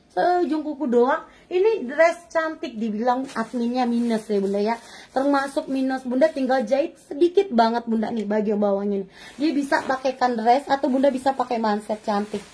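A high-pitched woman speaks at a moderate pace with hardly any pauses, over light background noise. Her tone is warm and her intonation lively. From Indonesia. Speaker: online clothing seller doing live auction. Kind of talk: live-stream sales pitch, street-seller style auction patter. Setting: online live stream. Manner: warm, affectionate, coaxing tone toward viewers. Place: shop. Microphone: phone near.

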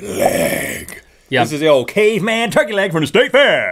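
Moderate pace and high pitch in a man's put-on character voice. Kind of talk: playful, comedic.

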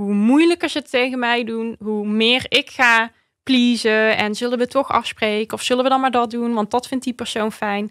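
In a Limburg accent, a woman speaks at a moderate pace in a fairly high voice. Her pitch moves an ordinary amount over a quiet background. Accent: Limburg-accented Dutch. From Limburg, Netherlands. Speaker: business coach, former beauty queen; business coach. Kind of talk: casual interview chat; interview answer. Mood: open, reflective. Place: studio. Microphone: studio mic.

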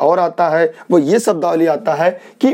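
A man with a high pitch has a dark, mellow tone. He speaks at a fairly slow pace against a quiet background. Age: young. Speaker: exam coaching teacher. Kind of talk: online lecture. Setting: standing while teaching.

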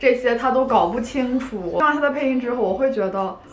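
A woman speaks with audible room echo and faint music in the background. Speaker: beauty vlogger. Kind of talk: casual talk to camera. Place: home room.

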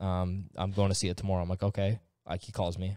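Over a quiet background, a man with a very deep, low, dark and mellow voice speaks at a fairly quick pace, in a dry sound with no echo. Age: 20s. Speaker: coffee shop owner, podcast host; podcast host or guest. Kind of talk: casual interview. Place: studio. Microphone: studio mic.

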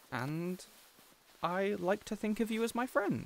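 A man performs a put-on character voice at a fairly slow pace. His pitch is high, with big swings.

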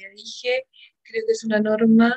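A woman with a somewhat breathy voice speaks against a quiet background. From Chile. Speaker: constitutional convention delegate. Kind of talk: committee deliberation. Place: home room. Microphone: video call.

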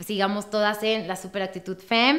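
Woman's monotone, flat delivery at a moderate pace. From Mexico, Veracruz. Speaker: fashion brand creative director. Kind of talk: promotional interview. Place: studio.

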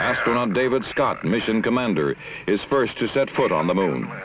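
Over noticeable background noise, a man speaks in a dramatic tone at a moderate pace. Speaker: documentary narrator. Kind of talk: 1970s newsreel narration. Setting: studio voiceover over film footage. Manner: formal, authoritative, measured, dramatic announcer delivery. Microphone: old recording.

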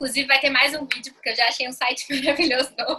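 A woman speaks in a high voice. Her pace is very fast. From Brazil. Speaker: content creator and international relations student; content creator. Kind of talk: interview. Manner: animated. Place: home room. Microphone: video call.

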